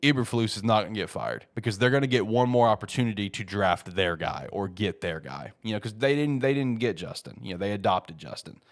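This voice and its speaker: A man's voice: on the low side, lively intonation, a little fast, few pauses. Congested man rambling about football. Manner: rambling, lots of fillers and restarts; worked up, emphatic bursts. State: congested with a head cold. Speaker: podcast host. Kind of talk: casual sports talk.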